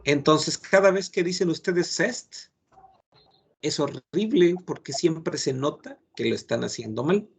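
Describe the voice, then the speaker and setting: A man's voice: a little high, moderate pace, gravelly, few pauses, husky. A man, a French teacher lecturing his class in an earnest, admonishing way, giving many examples.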